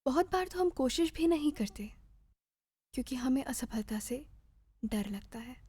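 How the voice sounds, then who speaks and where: Slow, breathy woman guiding meditation. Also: high voice, animated. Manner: gentle, soothing, measured instruction with pauses. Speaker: meditation guide. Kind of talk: guided meditation narration.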